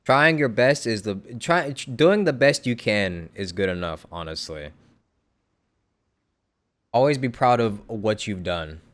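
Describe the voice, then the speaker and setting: Rambling, lively-voiced male streamer. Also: lowish voice, slow pace. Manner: rambling, self-correcting, blunt and casual. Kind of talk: casual live-stream commentary over a game.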